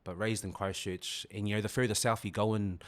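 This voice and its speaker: A New man in his forties, whose was Samoan, speaking with a very deep, low voice. He talks reflectively and pauses to search for words, like a guest opening up on a podcast. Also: little pitch movement. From New Zealand. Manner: thoughtful, pauses to find words.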